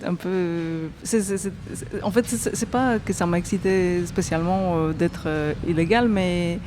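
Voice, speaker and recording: A woman guest on a radio show, speaking haltingly and repeating her words. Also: on the low side, background noise. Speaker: street artist guest. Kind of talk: casual radio interview.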